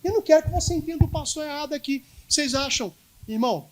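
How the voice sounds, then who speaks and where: A man's voice: extremely high pitch, fast talker, slight background noise. A male pastor with a Minas Gerais accent preaching a sermon, emphatic and repetitive, speaking straight to the congregation. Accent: Minas Gerais Brazilian Portuguese. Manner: emphatic, addresses congregation directly, repeats himself.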